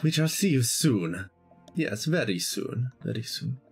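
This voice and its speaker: A man game master voicing a menacing male vampire lord whose booming voice echoes inside the heroes' heads, speaking slow, grave threats. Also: lively intonation, soft background music. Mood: threatening. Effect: booming voice echoing inside heads.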